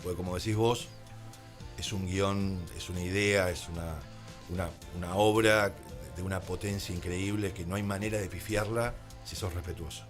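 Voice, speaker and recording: Low-voiced Argentine man, thoughtful radio guest. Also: fairly even intonation, moderate pace, faint music behind. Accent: Argentine Spanish. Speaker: radio guest, radio drama creator. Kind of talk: reflective radio interview conversation. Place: radio studio.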